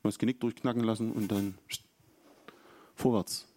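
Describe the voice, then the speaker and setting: A man's voice: on the low side, fairly even intonation, moderate pace, warm tone. A man preaching an informal sermon, chatty and storytelling, acting out quotes along the way.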